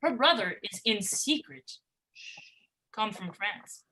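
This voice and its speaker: A woman's voice: mid-range voice, animated, slow pace, background noise. A woman playing an anxious, grieving Danish king, declaiming verse in an amateur Shakespeare reading over livestream. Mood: troubled, lamenting. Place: remote livestream from separate location.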